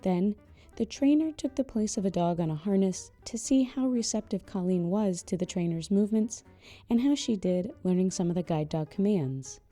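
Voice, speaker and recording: A woman narrating a podcast in a calm, measured, scripted way. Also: medium pitch, faint music behind.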